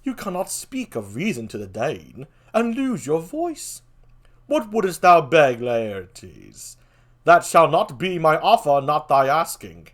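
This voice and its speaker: A man's voice: a little high, sing-song, takes it slowly, heavily acted. Man playing a commanding, declamatory Shakespearean king. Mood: regal, commanding. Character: commanding, genial king of Denmark. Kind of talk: theatrical Shakespeare reading.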